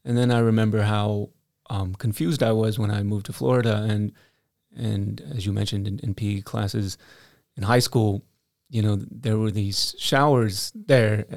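A young man from Iceland chatting casually as a podcast co-host, telling animated stories and laughing often. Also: fairly low pitch, a little slow, gravelly, dry recording, studio quality. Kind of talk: casual conversation.

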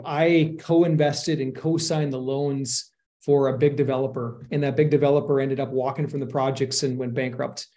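A man's voice: medium pitch, darkish tone. A middle-aged man who invests in real estate, earnestly explaining his cautious approach in a casual podcast chat. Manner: earnest, explains with analogies and worst-case caution.

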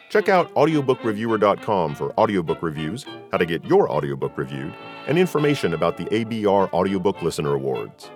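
A man hosting a podcast in a casual, conversational style. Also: lowish voice. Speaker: podcast host and audiobook narrator. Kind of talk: casual podcast interview and chat.

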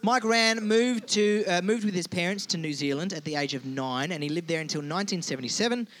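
Man, podcast co-host, rapid, high voice, teasing, playful. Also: a bit bright, slight background noise. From United Kingdom. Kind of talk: casual comedic chat.

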